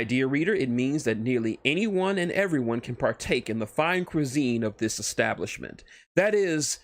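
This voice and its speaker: A man talking casually and reading a story on a livestream, informal and halting, often correcting himself. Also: mid-range voice, dry recording, clean studio sound. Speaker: streamer and fan fiction writer.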